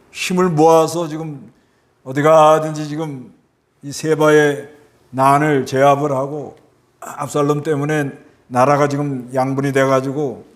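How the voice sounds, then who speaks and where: A man with a Busan Gyeongsang accent gives a sermon in an easy, talking style. He keeps asking the congregation questions and briefly acts out the people in the story. His voice sits at an ordinary middle pitch for a man. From South Korea. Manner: conversational preaching with rhetorical questions and acted-out voices. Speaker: pastor.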